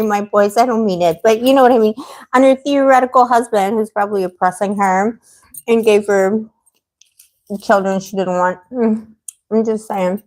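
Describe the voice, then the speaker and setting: A woman hosting a tarot livestream in casual, rambling chat, full of fillers and restarts, gossipy and quick to laugh, with a voice that has been fading. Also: mid-range voice, darkish tone. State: losing her voice. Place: living on a Mediterranean island.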